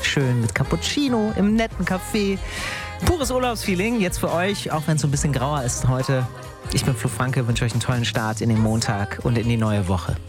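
A man's voice: mid-range voice, animated, normal speed. A man hosts the morning radio show, reading weather and traffic. He sounds chatty, friendly and upbeat. Music plays behind his voice. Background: music bed.

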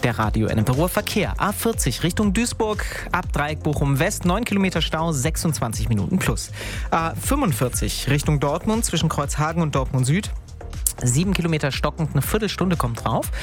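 A man's voice: a little high, sing-song, normal speed, soft background music. A man hosting a local morning radio show, reading weather and traffic in a chatty, informal way. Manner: chatty, upbeat, informal asides. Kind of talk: casual lively radio presenting.

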